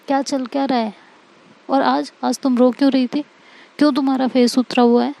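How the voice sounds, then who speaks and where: A woman's voice: high-pitched, level tone, moderate pace, vocal fry, mellow. A woman voicing a hurt young woman who pleads and presses her friend with questions. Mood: pleading.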